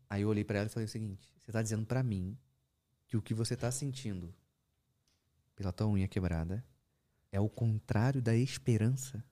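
Man, therapist, conversational teaching, storytelling, lively asides. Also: medium pitch. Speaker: therapist speaking about his practice.

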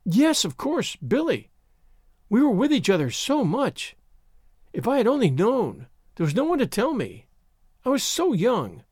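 A man voicing a high-pitched, quavering, naive young woman. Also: wildly swooping pitch, darkish tone, breathy edge, no room sound, clean studio sound, exaggerated voice. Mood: meek, regretful. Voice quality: faint, small voice. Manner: hesitant, quavering, halting. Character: naive, distressed young woman, pleading and stubborn. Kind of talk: dramatised audiobook story reading.

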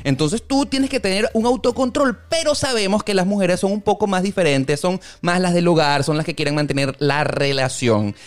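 A man's voice: sits high, moderate pace, few pauses. A man hosting a casual podcast chat, curious and asking probing questions. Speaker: host.

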